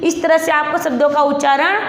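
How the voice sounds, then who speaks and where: A woman teaching young children, drilling syllables slowly and asking the same questions again and again. She stretches out each word as she calls it. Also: high-pitched, flat delivery. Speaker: primary school teacher. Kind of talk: slow classroom drilling of syllables and words. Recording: echoey room with long reverb.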